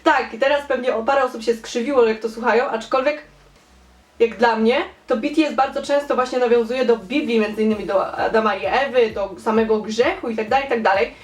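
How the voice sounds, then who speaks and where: A young woman chats animatedly as she reads viewer comments, her voice sitting a little high. She piles up repeated words for emphasis. The room around her rings with echo. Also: brisk. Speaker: fan theory vlogger. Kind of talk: casual chat reading comments. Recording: echoey room.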